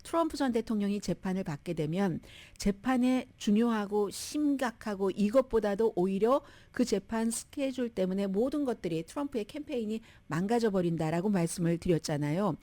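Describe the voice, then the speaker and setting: A woman's voice: mid-range voice, mellow. A woman hosting a radio news show, giving chatty, opinionated commentary on the day's news and laughing at her own asides. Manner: chatty, opinionated, quotes people in little voices, laughs at herself. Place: radio studio.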